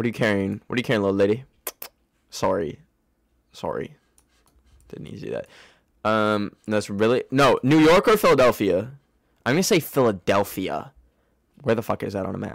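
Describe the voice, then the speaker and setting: On a very clean recording with a silent background, a man speaks at medium pitch and a moderate pace. His intonation is lively, his loudness swings widely, and he leaves long, frequent pauses. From Canada. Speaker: streamer. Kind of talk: casual gaming livestream commentary. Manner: animated.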